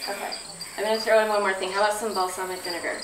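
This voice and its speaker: A thirties-aged woman runs a workshop at a flip chart in an outdoor pavilion, her medium-pitched voice flat and very fast. She's friendly and keeps putting questions to the group. A far camera picks her up, so the audio is roomy, distant and noisy, with insects and crickets behind her.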